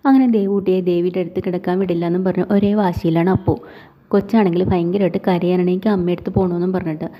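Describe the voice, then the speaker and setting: A woman's voice: on the low side, flat delivery, fast talker, lo-fi sound. A woman casually retelling the plot of a TV serial in long run-on sentences, dropping little tag fillers. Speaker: TV serial recap narrator.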